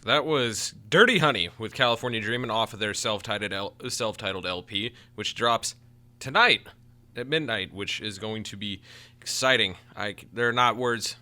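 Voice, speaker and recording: Bright-voiced American male radio DJ. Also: on the low side, normal speed. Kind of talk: radio air check, music announcing with chatty commentary.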